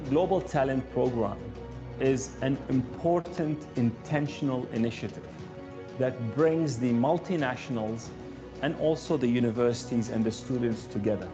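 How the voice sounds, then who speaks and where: A man speaking for a university in a promotional interview, formal and deliberate. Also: mid-range voice. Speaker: university representative. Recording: dull lo-fi audio with music bed. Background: background music.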